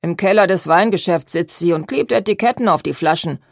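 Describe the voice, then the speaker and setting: A woman voicing a spiteful, sharp-tongued seamstress in an audiobook, with a breathy voice. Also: fairly low pitch, a little fast, no room sound, studio quality. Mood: mocking. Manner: mocking, sly.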